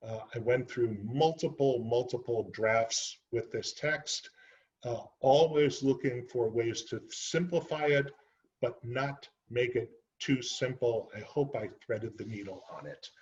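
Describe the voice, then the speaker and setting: A man's voice: medium pitch, unhurried, a little mellow, lo-fi sound. A man giving an author talk, speaking earnestly and unhurriedly about his book, with frequent ums and uhs. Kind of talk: library author presentation.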